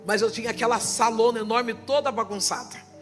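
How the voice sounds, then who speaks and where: A woman pastor preaching a sermon with passion, often swelling into shouts. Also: fairly high pitch, steady tone, fairly quick, soft background music.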